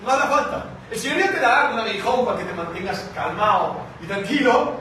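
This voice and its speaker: High, bright preacher in echoey hall. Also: male voice, a little fast. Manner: animated, theatrical, with sound effects and acted-out voices. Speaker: pastor. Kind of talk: sermon. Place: church hall. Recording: echoey hall from far off, faint noise.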